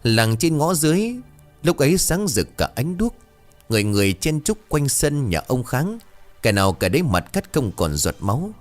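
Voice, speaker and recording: A man narrating a dramatic folk tale with an expressive, swooping delivery. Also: mid-range voice, normal speed, soft background music.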